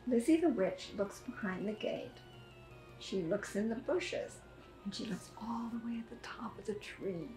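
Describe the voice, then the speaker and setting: An elderly woman reading aloud to young children as a preschool teacher, with simple, deliberate phrasing. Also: a little high, lively intonation, mellow. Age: 70s or older. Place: furnished sitting room indoors. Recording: echoey room, music behind.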